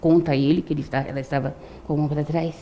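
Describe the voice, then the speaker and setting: A woman's voice: low-pitched, little pitch movement, racing, highs cut off, slight background noise. An older woman telling a true story to an audience in a conversational way, with frequent tag questions.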